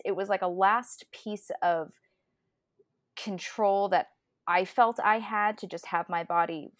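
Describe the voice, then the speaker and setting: A woman's voice: fairly low pitch, no echo, studio quality. A woman in her twenties co-hosting a podcast, talking casually in a chatty, rambling way full of restarts. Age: 20s. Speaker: podcast co-host. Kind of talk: casual chat.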